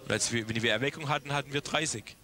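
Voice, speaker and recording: A man interpreting a sermon phrase by phrase, speaking in quick bursts with frequent restarts. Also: medium pitch, bright, forceful tone.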